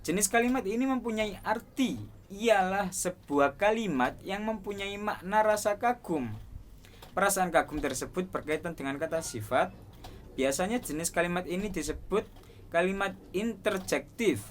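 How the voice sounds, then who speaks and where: A man's voice: sits high, moderate pace, a little hiss or hum. Young man reading out a class presentation. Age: young adult. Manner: steady, explanatory listing of points. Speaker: student presenter.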